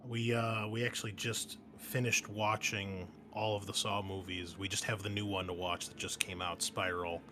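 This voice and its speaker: A low-pitched man hosts a gaming podcast as game master. He talks informally and with enthusiasm to his group. Clear background noise sits behind his voice. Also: flat delivery, moderate pace, few pauses. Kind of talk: casual podcast intro and chat with players. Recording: noisy home podcast recording. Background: clear background noise and ambience.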